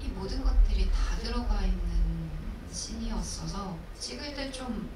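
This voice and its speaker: A woman answering questions on stage at a film screening Q&A, speaking thoughtfully with pauses and fillers. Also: mid-range voice, expressive. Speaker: actress at a film Q&A. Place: cinema hall with audience. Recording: echoey cinema hall from far off, noisy.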